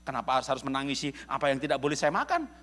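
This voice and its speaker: A middle-aged male pastor from Indonesia giving a lively, humorous church sermon, often chuckling as he speaks to the congregation. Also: mid-range voice, fast talker. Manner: jokey, addresses congregation as "saudara", chuckles often. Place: church service.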